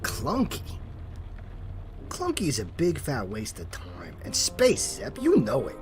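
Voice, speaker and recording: An actor playing a cocky, sarcastic detective in an audio drama, needling and mocking the people around him. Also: male voice, mid-range voice, wildly swooping pitch, a little mellow, soft background music. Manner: sarcastic, needling, quick to mock. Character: cocky wisecracking male detective Bash.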